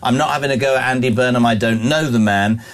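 A man's voice: medium pitch, fast talker. A man hosting a radio phone-in show, chatting casually with plenty of fillers and hesitations. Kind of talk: casual talk radio chat.

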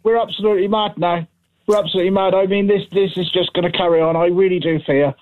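A man's voice: high voice, fairly even intonation, quick pace. A man from Gloucestershire calling in to a radio talk show. He talks earnestly and anxiously, repeating himself, and is heard over a phone line on the broadcast. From Gloucestershire, England. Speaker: caller.

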